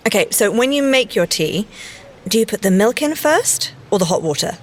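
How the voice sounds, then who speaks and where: An actress playing a prim young English scientist agent in an audio drama, polite, precise and gently wry. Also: female voice, medium pitch, animated, moderate pace, close to an everyday voice. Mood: chatty, wry.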